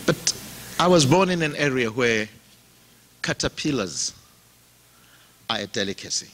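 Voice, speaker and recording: A man from Zimbabwe preaching with deliberate, unhurried emphasis, his voice swinging up and down as he drives each point home. His pitch sits in a middle range. A faint hiss of noise runs under the recording. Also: sing-song, a bit bright. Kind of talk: sermon.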